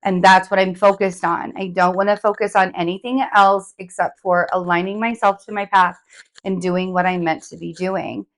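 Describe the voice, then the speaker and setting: A hoarse woman giving a casual, chatty tarot forecast, rambling with many fillers as she recovers from laryngitis. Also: medium pitch, level tone, moderate pace. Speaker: tarot reader.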